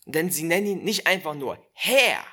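A preacher giving a sermon, slow and emphatic, repeating key phrases and speaking directly to the listeners. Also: mid-range voice, animated, pushed and bright.

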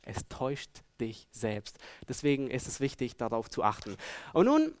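A man preaching a sermon, earnestly putting searching questions to his listeners and moving between loud emphasis and hushed tones. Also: mid-range voice, wildly swooping pitch, moderate pace, no echo.

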